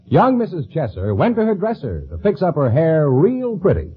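Animated male old-time radio announcer, husky. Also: a little high, normal speed. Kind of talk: 1950s radio announcing and sponsor copy. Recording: muffled vintage radio recording, faint music.

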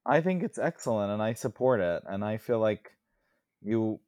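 A man's voice: fairly low pitch, animated, normal speed, a little mellow, no room sound, clean studio sound. A man co-hosting a casual podcast, easygoing and restarting his sentences often. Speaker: podcast co-host.

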